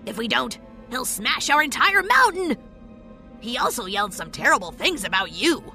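A woman's voice: a little high, sing-song, moderate pace, sharp tone, faint music behind, voice pushed up, heavily acted. A woman voicing an anxious male demon guard in a storybook reading, speaking urgently. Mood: alarmed.

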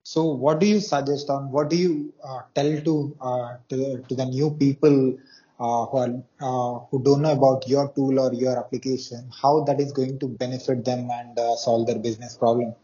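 Halting male interviewer, muffled audio. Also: mid-range voice, little pitch movement, dark tone. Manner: halting questions with many fillers. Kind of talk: casual interview questions. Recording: dull lo-fi call audio.

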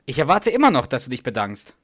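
A man's voice: mid-range voice, huge pitch swings, quick pace, fairly bright tone, no echo, clean studio sound. A man reading the part of a flustered husband who faked a heart attack, in a podcast read-through of a sitcom scene. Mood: defensive.

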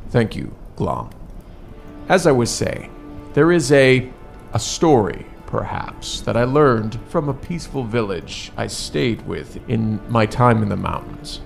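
A man improvising an in-character story in a tabletop roleplaying game, with formal, measured, halting wording. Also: medium pitch, sing-song, vocal fry, soft background music.

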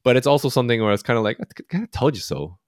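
A man's voice: medium pitch, animated, racing, no echo, clean studio sound. A man co-hosting a podcast, explaining money topics in a loose, chatty way and often checking in with "right?". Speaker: podcast co-host. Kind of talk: casual finance chat.

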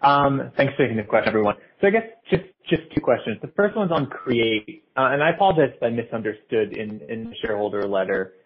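A husky-voiced man, an analyst politely asking questions on an earnings call over a thin line. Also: medium pitch, expressive, quick pace, few pauses, slight background noise. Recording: tinny, phone-like call line.

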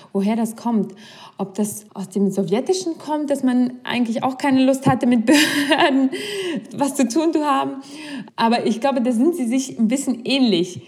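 Young woman host, slightly high pitch, frank and conversational, thinks aloud. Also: darkish tone. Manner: candid, thinks aloud with restarts. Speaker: podcast host. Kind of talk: casual conversation.

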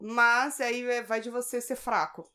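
A playful Brazilian woman in her thirties, co-hosting a podcast in relaxed banter. Her voice sits a little high, and she swears without a second thought. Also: a little slow, clear, resonant tone. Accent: Brazilian Portuguese. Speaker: podcast co-host. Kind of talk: casual chat.

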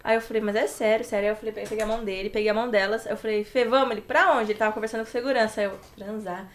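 A woman's voice: mid-range voice, fairly even intonation, very fast, a little hiss or hum. A woman with a Brazilian accent telling casual anecdotes as a podcast guest, full of slang and re-enacted dialogue.

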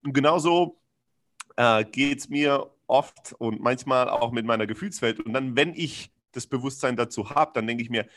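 Brief: adult man, reflective chat, halting delivery full of fillers, candid and earnest. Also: mid-range voice, fairly bright tone. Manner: searching, halting, with many fillers and restarts; earnest and frank, with blunt slang. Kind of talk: reflective podcast conversation.

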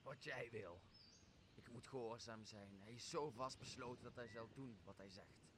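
A man's voice: mid-range voice, moderate pace, noisy background, lightly acted. A man playing a sullen, cowed, cursing island slave in an audio drama. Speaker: actor in a student audio drama. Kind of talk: Dutch audio drama acting of Shakespeare.

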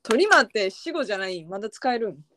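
A woman's voice: medium pitch, sing-song, fast talker, fairly bright tone, slight background noise. A woman with a Kansai accent, a podcast co-host, easygoing in casual chat as she reels off dialect words.

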